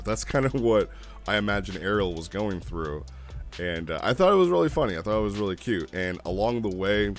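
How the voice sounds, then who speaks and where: A man hosting a casual review, talking informally and haltingly in an amused way as he thinks aloud. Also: lowish voice. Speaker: host reviewing role-play logs. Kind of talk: casual rambling review commentary.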